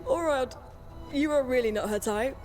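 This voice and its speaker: Actress as friendly teasing warrior girl, slightly high voice, game cutscene with music. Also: moderate pace, a little mellow, close to an everyday voice. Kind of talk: video game voice acting. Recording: music behind the voice.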